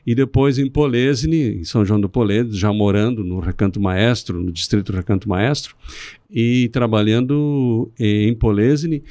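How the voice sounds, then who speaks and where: A middle-aged man from southern Brazil, a city councilman guest on a podcast, speaking in a measured, speechifying way with some restarts. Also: on the low side, warm tone, dry recording. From Rio Grande do Sul, Brazil. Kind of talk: podcast interview.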